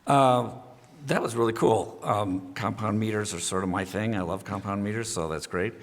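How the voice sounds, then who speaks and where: A man's voice: on the low side, normal speed, long reverb tail, crowd noise, noisy background. A man on a judging panel giving rambling, casual feedback on a music piece, full of restarts. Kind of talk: casual spoken critique.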